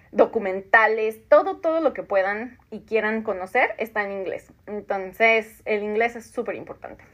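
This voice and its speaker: A woman's voice: mid-range voice, a bit bright, muffled recording. A Mexican woman in her thirties, hosting a podcast in a casual chat, reading out listener comments and answering them, with frequent laughs. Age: 30s. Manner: chatty, laughs often, reads comments aloud. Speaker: podcast host.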